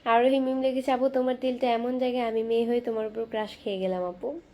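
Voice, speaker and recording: A young woman hosting a casual live stream from her phone, reading viewer comments aloud and chatting back in a soft, quiet voice. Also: fairly high pitch, level tone. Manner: soft-spoken, talking quietly and slowly. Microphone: phone camera.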